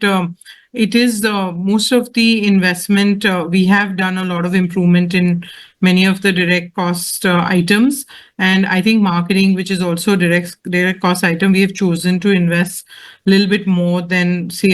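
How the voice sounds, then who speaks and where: A company executive with a measured, explanatory way of talking, answering questions on an earnings call. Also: mid-range voice.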